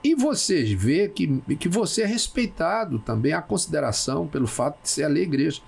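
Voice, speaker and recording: A man with a gravelly, husky voice hosts a relaxed conversation. His pitch sits a little high, and he stops and restarts often, repeating words as he looks for the right one. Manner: halting, repeats words while searching for them. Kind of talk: casual talk show conversation.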